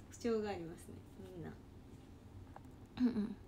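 This idol trainee, a Kansai-accented woman, rambles and giggles through viewer comments during a sleepy late-night livestream. She speaks in a mid-range voice with a dark tone, and there's slight background noise.

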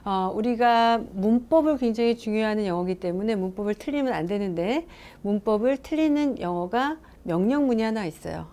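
Woman English teacher, mellow warm tone, chatty lesson host who tells stories and quizzes viewers. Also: mid-range voice, animated, a little fast, hardly any pauses. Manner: chatty, storytelling, addresses viewers with questions. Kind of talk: casual video lesson.

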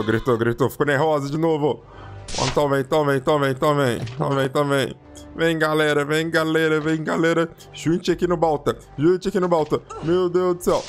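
Young Brazilian man, gaming YouTuber, excitable let's-play chatter, a bit high-voiced, game music underneath. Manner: excitable, talks to the audience, repeats phrases. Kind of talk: casual let's-play commentary. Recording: game music playing behind.

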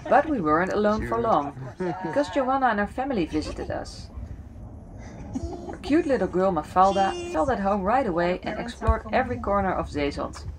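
A woman whose first language is Dutch, narrating a sailing vlog as voice-over in a steady, matter-of-fact way. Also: mid-range voice, moderate pace, crowd noise. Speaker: vlogger narrating a sailing trip.

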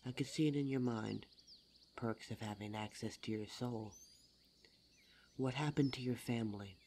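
A performer voicing a suave, teasing demon lover in an intimate ASMR roleplay audio drama, smooth-talking and formal in address. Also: mid-range voice, normal speed, darkish tone, a little hiss or hum, natural voice. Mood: soothing, intimate.

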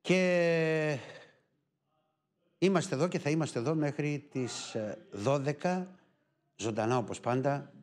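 A man's voice: a little high, a little mellow. Greek man hosting a live TV show. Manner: unhurried, with frequent filler pauses. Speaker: TV show host.

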